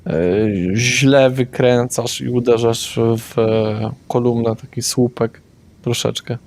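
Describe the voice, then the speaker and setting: Brief: male game master narrating a vampire tabletop session, mid-pitched, unhurried and hesitant. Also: completely flat delivery, a little mellow.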